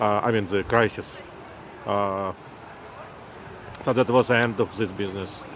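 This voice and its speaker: Against noticeable background noise, a man speaks in a fairly low, monotone, flat voice at a moderate pace, with long, frequent pauses. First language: Russian. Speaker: businessman interviewee. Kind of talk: interview. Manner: halting, many fillers.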